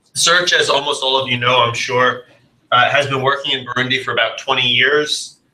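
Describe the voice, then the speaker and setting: Delivered at a fairly quick pace, the speech comes in a New Jersey accent. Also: man. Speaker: NGO director. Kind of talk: panel presentation. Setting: meeting room with video call. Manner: fast; hesitant, many fillers.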